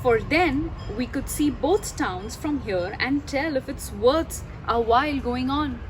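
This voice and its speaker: A woman's voice: sits high, slow pace, faint music behind, rough recording. A woman voicing a male storybook frog traveler in exclamatory, old-fashioned phrasing, on an outdoor recording. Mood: wistful. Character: Osaka frog, male, adventurous but easily discouraged storybook traveler.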